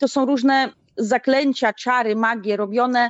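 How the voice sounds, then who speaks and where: This is a woman with an unremarkable speaking voice. Her intonation stays fairly even. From Poland, Stalowa Wola. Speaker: guesthouse owner and author. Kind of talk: interview.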